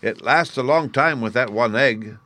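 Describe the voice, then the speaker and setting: A fretful mother duck, worn out from sitting on her nest, as a man puts her on. She sounds weary and complaining, pitched up above the reader's own low voice. The recording is close and dry. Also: normal speed, bright, forceful tone, no echo.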